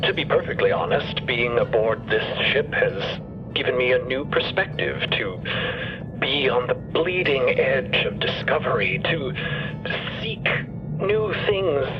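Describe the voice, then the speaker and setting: A man acts out a learned professor in a fiction podcast. He has a mid-pitched voice and chooses formal words carefully, pausing between phrases. The sound is slightly dull, with music clearly behind it. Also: animated, close to an everyday voice. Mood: reflective, hesitant. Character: courteous, thoughtful male scholar and professor. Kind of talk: narrative fiction podcast acting.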